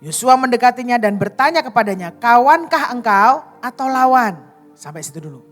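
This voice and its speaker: High-voiced woman preaching. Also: faint music behind. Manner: animated, addresses listeners as brothers and sisters; conversational, tag questions, dramatic pauses. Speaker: evangelist preacher. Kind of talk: sermon with personal storytelling.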